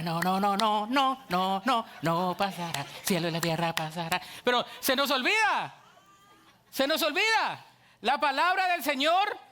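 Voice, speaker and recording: A middle-aged male pastor preaches with a high, bright voice. He talks animatedly and slips into playful voices of church members. His delivery stays warm toward the congregation and full of energy. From Colombia. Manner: lively preaching, acts out voices of church people. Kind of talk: sermon.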